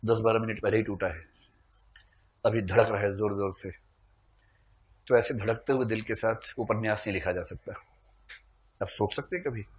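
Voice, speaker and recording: Guy teaching a class, chatty and joking, keeps checking the students are with him. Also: lowish voice. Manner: conversational and humorous, checks in with "है ना?". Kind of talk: classroom lecture.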